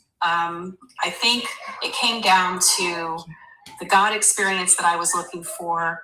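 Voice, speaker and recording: Against noticeable background noise, a woman of medium pitch speaks in a monotone, flat way with an American accent. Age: 60s. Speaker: reverend. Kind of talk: interview. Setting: livestream.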